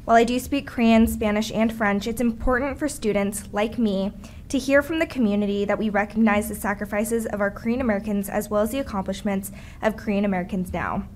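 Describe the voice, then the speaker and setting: A woman's voice: mid-range voice, fairly quick, darkish tone, slight background noise. A teenage girl from Seattle reading an earnest, formal prepared statement as public comment. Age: teens.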